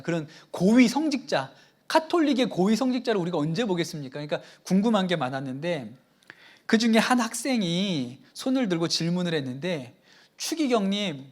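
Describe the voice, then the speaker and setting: Male pastor, sermon at an evening church service. Lively, wide-ranging pitch and conversational delivery. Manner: conversational preaching, acts out quoted voices.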